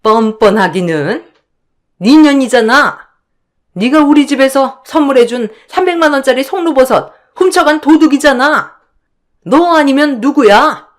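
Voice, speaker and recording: A woman's voice: high-pitched, animated, measured pace, pitched above the performer's own voice. A woman voicing a furious, bullying elder sister-in-law who shrieks accusations and insults.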